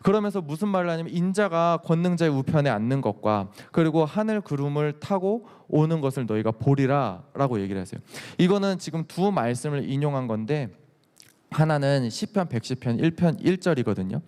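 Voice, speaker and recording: A man preaching a sermon as youth pastor, telling the story in an animated way and acting out the quotes. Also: a little high, fairly quick, smooth. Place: church sanctuary. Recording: reverberant church hall.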